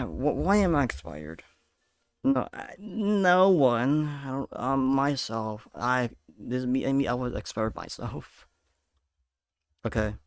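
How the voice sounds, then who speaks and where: A man from Peru streaming, rambling through casual reaction chat with halting restarts. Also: mid-range voice, creaky, no room sound, clean studio sound.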